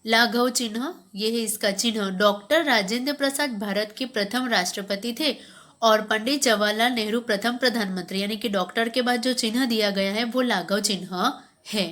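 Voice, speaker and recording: In a grammar lesson for schoolchildren, a woman with a fairly bright, high-leaning voice reads textbook passages aloud and explains them. She then restates her points as questions put to the class.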